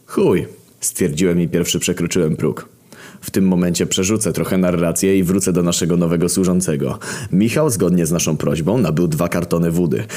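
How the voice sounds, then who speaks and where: A young man with a very low, dark voice tells a raunchy comic tale. His delivery is brash and sardonic, and he swears freely as he goes. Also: steady tone, a little fast. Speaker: storyteller. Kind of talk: crude comedic story narration.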